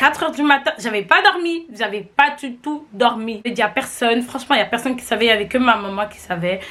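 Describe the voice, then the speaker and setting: Her tone bright and sharp, a woman speaks at a fairly high pitch with ordinary pitch variation. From Belgium. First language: Dutch (speaking French). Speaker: vlogger. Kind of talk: casual vlog storytelling. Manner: fast; animated.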